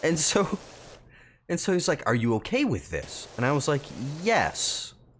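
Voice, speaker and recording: A man's fairly high voice with vocal fry and very wide pitch swings, at a very slow pace. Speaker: VTuber streamer. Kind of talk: casual gaming stream talk. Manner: animated storytelling.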